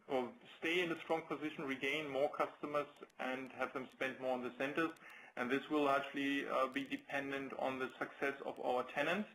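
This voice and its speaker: German guy exec on an earnings call, mid pitch, careful and kinda halting, picking his words. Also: pushed and bright, slight background noise, low-quality recording. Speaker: company executive presenting results. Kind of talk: answering questions on a business conference call. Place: telephone conference call.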